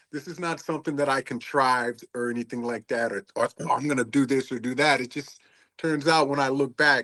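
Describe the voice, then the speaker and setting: A man with an American accent, fairly high pitch, bright, sharp tone, and fairly quick pace, in a dry, close sound with no echo. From Washington DC, US. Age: 60s. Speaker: musician. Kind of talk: interview. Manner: casual, laid-back.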